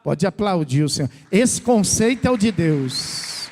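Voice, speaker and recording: Brazilian male pastor, high voice, lively sermon with questions to the flock, long hall echo. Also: a little slow, a little hiss or hum. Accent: Brazilian Portuguese. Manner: asks the congregation questions, acts out quoted voices. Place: church hall. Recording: long church reverb.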